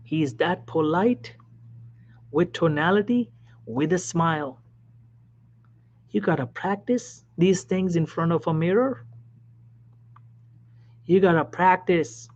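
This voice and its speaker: A man, a physician, giving career advice in a motivational talk, emphatic and repetitive, dropping now and then to a soft whisper. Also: a little high, animated, slow pace, pauses often. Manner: emphatic, repeats key phrases, drops suddenly to soft whispers. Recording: dull lo-fi recording.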